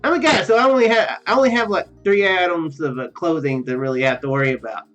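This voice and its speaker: A man doing casual game commentary and reading visual novel text aloud, rambling, halting and often correcting himself. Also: fairly high pitch, fairly bright tone. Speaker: let's play video host. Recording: muffled lo-fi mic, music behind. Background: game music.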